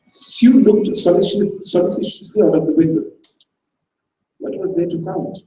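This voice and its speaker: A man reads a short story aloud with expressive narration before a live audience. His voice is dark and mellow, slightly raised in pitch, and it sounds distant in a reverberant room. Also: moderate pace, a little hiss or hum. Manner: expressive, with restarts. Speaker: reader. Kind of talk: dramatized story reading. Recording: roomy live hall, distant mic.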